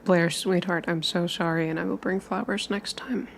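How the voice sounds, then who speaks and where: Woman as weary male gumshoe, low voice, dry, clipped, offhand, tabletop roleplay, faint noise. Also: steady tone, moderate pace, creaky. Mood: wry, coaxing. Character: world-weary, down-on-his-luck male private investigator, gruffly casual.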